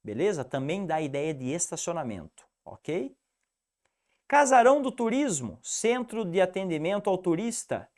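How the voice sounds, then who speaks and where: Brief: upbeat male teacher, Piracicaba rolled-R accent, lively pitch, slightly high voice, drills rules. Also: moderate pace. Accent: Piracicaba interior São Paulo, rolled R. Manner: animated, didactic, repeats rules for the student. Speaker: English teacher. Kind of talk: online video lesson.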